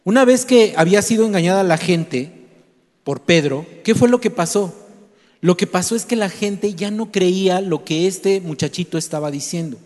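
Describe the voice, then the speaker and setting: A preacher with a fairly high voice, telling a fable during his sermon and asking the congregation rhetorical questions. His voice carries a long reverb from a large hall. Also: moderate pace, a little mellow. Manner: storytelling, addresses listeners directly with rhetorical questions.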